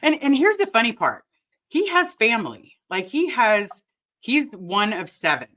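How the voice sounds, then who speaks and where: A woman with a raspy voice hosting a casual livestream chat and talking straight to her viewers. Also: fairly high pitch, measured pace. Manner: chatty and animated, addresses the chat directly. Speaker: livestream host.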